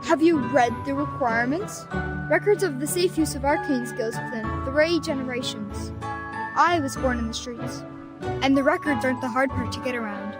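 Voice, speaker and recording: Girl voice actor doing cheeky high voiced street kid, teasing n sardonic game character, loud music behind. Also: moderate pace, close to an everyday voice. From Bosnia and Herzegovina. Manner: teasing, theatrical, talkative. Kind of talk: video game story voice acting.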